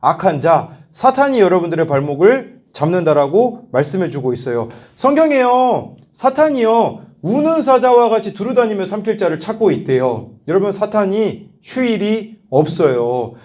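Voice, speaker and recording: A man in his thirties giving a lively youth sermon, telling family stories with laughter and acted-out quotes. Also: sits high, normal speed, hardly any pauses. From South Korea. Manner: animated storytelling, laughs often, acts out voices in quotes. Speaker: youth pastor.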